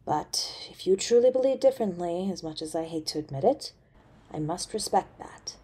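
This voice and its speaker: A woman playing a haughty, cold succubus mother in an audio drama, speaking formally and with disdain in a husky, creaky voice. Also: on the low side, animated, moderate pace, mellow. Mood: disdainful. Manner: imperious, formal, disdainful of mortals. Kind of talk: audio roleplay drama acting.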